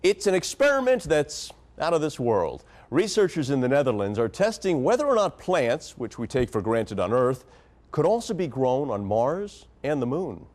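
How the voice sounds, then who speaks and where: Young guy doing the evening news at an anchor desk, steady formal read, mid-pitched voice. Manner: measured, formal newscast delivery. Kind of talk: scripted news reading.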